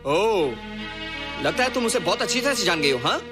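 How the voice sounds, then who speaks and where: A man's voice: sits high, sing-song, normal speed, over music. An actor playing a brash, jealous young man who taunts and slips English into his lines. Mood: taunting. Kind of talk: Hindi film dialogue.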